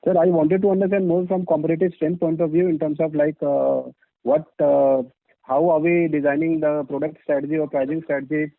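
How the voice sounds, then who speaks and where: A man's voice: fairly high pitch, level tone, brisk, creaky, dry recording. A man with an Indian accent, an analyst putting deferential, wordy questions on an earnings call. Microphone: telephone line. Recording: dry, dull phone line.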